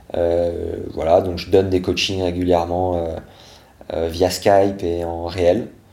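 A man with a very deep, low pitch and a dark, mellow tone talks very slowly in a flat monotone, with audible room echo around him. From France, Nevers (Nièvre). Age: 20s. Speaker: dating coach. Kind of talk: interview.

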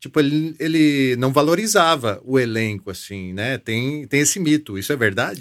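A man speaks at a medium pitch with a normal speaking voice, a moderate pace and lively intonation. He hardly pauses, and the recording is very clean with a silent background. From Brazil, São Paulo state interior. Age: 40s. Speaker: podcast host. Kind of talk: casual interview. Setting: studio.

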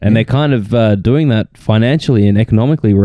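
Here a man talks very fast with an Australian accent. His pitch varies in an ordinary way. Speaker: podcast co-host. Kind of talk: casual chat.

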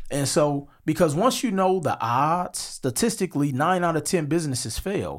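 A man at a moderate pace with ordinary pitch variation, in a very clean recording with a silent background. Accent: American. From Milwaukee, Wisconsin (US Midwest). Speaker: entrepreneur and credit educator. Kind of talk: casual interview. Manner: animated.

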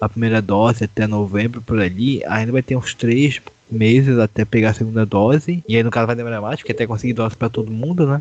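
A man speaks in an ordinary speaking voice. His pace is fairly quick and his intonation fairly even. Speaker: podcast co-host. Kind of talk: casual chat.

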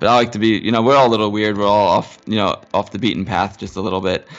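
A man with an ordinary speaking voice, fairly low pitch and fairly even intonation. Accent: American. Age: 40s. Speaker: retro computer YouTuber. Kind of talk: casual interview. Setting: remote call.

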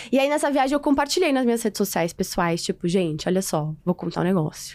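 A woman speaks at a medium pitch, her voice swinging very widely up and down. The recording is very clean, with a silent background. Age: 20s. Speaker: wellness communicator and podcaster. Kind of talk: interview conversation. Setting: studio. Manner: talkative.

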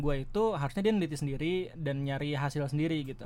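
Ordinary pitch variation carries through this very fast speech. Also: man. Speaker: podcast host. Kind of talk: casual chat.

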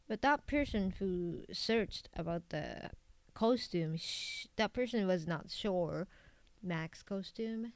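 A woman speaks at a very slow pace in a Japanese accent. Her intonation is lively. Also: medium pitch for a woman. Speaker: podcast co-host. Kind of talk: casual chat.

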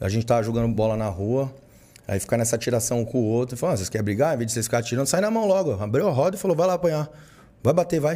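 Talking at a very fast pace with a São Paulo accent, this man has a medium pitch and lively intonation. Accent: Paulistano Brazilian Portuguese. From São Paulo, Zona Norte. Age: 30s. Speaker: bodybuilder. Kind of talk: casual interview.

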